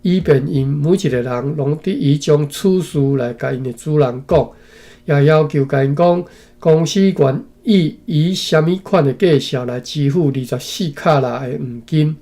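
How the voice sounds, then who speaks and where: A man's voice: fairly high pitch, mellow. A man from Taiwan reads a historical text aloud in short phrases and stops often to add his own comments and tag particles. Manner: reads slowly in phrases, adding asides and frequent tag particles. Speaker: reader and commentator.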